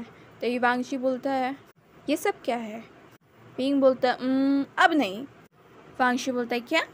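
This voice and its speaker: Female story narrator, high pitch, steady plain telling, faint noise behind. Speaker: fan fiction narrator. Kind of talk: narrating her own fan fiction.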